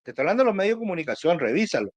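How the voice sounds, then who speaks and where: Emphatic higher-voiced man with Venezuelan accent. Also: big pitch swings, racing, no room sound. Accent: Venezuelan Spanish. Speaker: political analyst. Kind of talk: animated political discussion, conversational.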